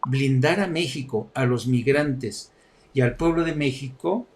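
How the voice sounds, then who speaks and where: A man, talking politics in a mocking, animated way and laughing often. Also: medium pitch, unhurried. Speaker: political commentator. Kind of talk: sarcastic political chat.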